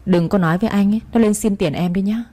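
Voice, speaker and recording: A woman's voice: mid-range voice, fast, dark tone, natural voice. A woman voicing a middle-aged stepfather who speaks curtly and suspiciously. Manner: curt, suspicious.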